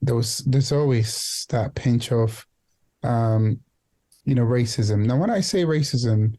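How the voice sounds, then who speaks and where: Mellow-voiced man, reflective and halting. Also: medium pitch. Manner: hesitant, repeats and rephrases phrases, often adds "you know". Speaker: guest, founder and CEO of a non-profit organization. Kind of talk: reflective podcast interview talk.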